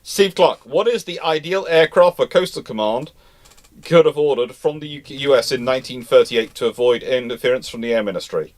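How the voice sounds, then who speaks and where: A man's voice: medium pitch, fairly quick. A man hosting a live question-and-answer talk on history, speaking in an explanatory way. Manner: explanatory, reads questions aloud then answers.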